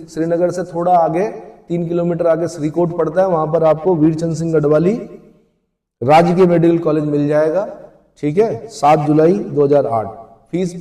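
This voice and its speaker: A man's voice: fairly high pitch, mellow. Coaching teacher man, echoey classroom. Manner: quizzes listeners with questions, then answers them himself. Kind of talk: exam coaching lecture.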